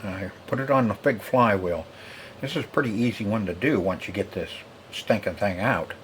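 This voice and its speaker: A man with a fairly low voice talks casually through hands-on repair work. He mutters to himself in a plain, folksy way as he goes. The recording is clearly noisy, like an unpolished home video. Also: moderate pace.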